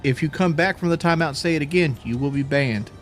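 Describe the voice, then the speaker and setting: A man's voice: a little high, quick pace. Man, live-stream chat, out of breath, restarts and swears, home setup, faint background music. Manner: rambling, repeats words, swears casually. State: out of breath after a workout.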